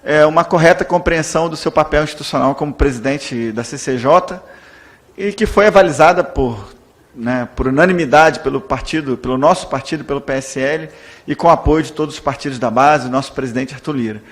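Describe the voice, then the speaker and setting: A man's voice: fairly high pitch, fairly quick. A Brazilian Portuguese-speaking man, a legislator, giving a formal, deferential speech in a parliamentary session. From Brazil, born in Salvador.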